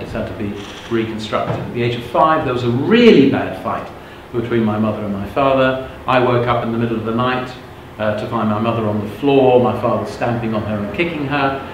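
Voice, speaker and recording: Addressing a live crowd, this middle-aged motivational speaker from England, a native Russian speaker, recounts his life candidly and chattily, frequently asking if people are keeping up. He speaks in a mid-range voice at a moderate pace with few pauses, amid heavy echo and background noise.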